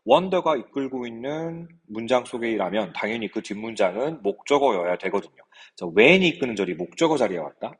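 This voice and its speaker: Husky lively-voiced male English teacher. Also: mid-range voice, brisk, few pauses, in a large hall. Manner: explanatory, rhetorical questions to students. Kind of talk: recorded lecture.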